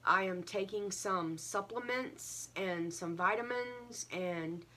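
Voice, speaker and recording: A woman giving a casual, earnest update to viewers, halting and a little short of breath as she recovers from illness. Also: mid-range voice, sharp tone. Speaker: craft vlogger.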